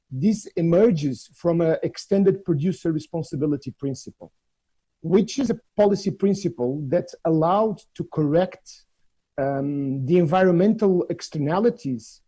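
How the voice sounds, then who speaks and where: A Portuguese man in his forties presents over a video call, his English carrying a Portuguese accent. The voice sits fairly high but sounds very dark and muffled. He often restarts phrases and repeats words. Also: breathy edge. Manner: hesitant, repeats words when starting phrases. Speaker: guest speaker. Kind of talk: conference presentation. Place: office room.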